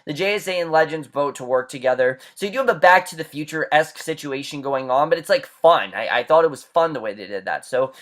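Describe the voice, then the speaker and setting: A man's voice: on the high side, expressive, fast, few pauses, fairly bright tone. A man giving a casual recap and review of a TV episode, chatty and full of fillers and restarts.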